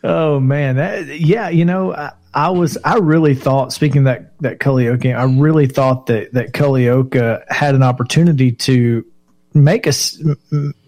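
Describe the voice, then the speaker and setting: A man's voice: mid-range voice, normal speed, darkish tone. A man co-hosting a local sports radio show, chatty and laughing often, restarting his sentences. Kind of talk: casual sports talk radio.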